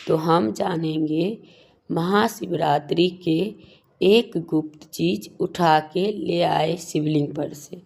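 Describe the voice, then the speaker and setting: A woman with a slightly hoarse throat hosts a devotional advice talk, speaking to viewers as friends in a halting, repetitive way. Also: sits low, a little mellow. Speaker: YouTube channel host.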